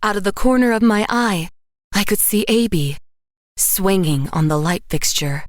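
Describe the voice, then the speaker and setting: An actress playing a haunted woman painter who narrates horror in a measured, literary way. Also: medium pitch, dry recording, clean studio sound, close to an everyday voice. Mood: uneasy, haunted. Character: haunted woman painter narrating her own murder, dazed and grim. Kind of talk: first-person horror audio drama narration.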